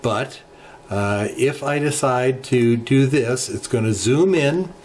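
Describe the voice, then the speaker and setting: A middle-aged man hosting a ham radio channel, walking through software settings in an unhurried tutorial with many filler pauses, recorded at a desk in his home radio room. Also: medium pitch, slight background noise. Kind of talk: screen-share software tutorial. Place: home radio shack, indoors.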